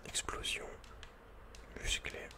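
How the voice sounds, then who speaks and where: Close to the microphone, a man whispers playful, casual ASMR commentary over a video game. His voice is breathy and unvoiced, and he speaks slowly.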